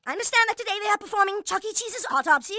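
Pompous schoolboy crusader, speechifying, high pitch, lively, a woman voicing. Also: very fast, full character voice. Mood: indignant.

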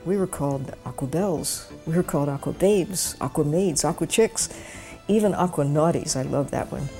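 Female interviewee, dark mellow tone, recollecting, faint music behind. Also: low-pitched, normal speed. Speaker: interviewee, former aquanaut.

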